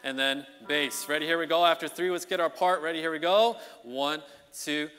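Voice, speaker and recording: A man preaching an informal midweek sermon as song leader, talking in a conversational, energetic way that keeps checking in with the congregation. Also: fairly high pitch, moderate pace, soft background music. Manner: conversational, energetic, often checks in with "okay?" and "you know". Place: church sanctuary. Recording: long reverb of a church hall.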